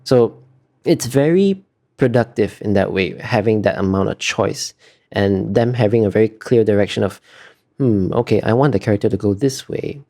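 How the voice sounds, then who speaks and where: A man's voice: lowish voice, normal speed, mellow. A man being interviewed as an artist, talking casually and thoughtfully, feeling his way through explanations in trailing clauses.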